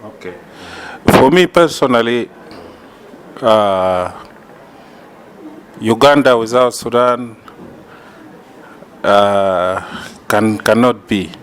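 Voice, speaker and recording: A man conducting an interview, speaking in halting, simple phrases. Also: fairly low pitch, a little hiss or hum. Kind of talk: on-location interview.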